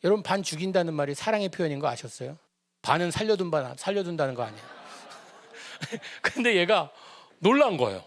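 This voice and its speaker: A middle-aged man preaching at a church prayer service, his voice sitting on the higher side. He tells a story in an animated, humorous way and acts out the people in it with shifting voices. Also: fairly quick, slight background noise. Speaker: pastor. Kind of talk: storytelling sermon.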